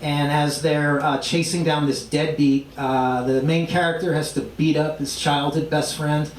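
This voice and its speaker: A woman's voice: deep voice, fairly even intonation, a little slow. A woman chatting casually as a guest author on a live talk show. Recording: echoey room, slightly distant, faint noise.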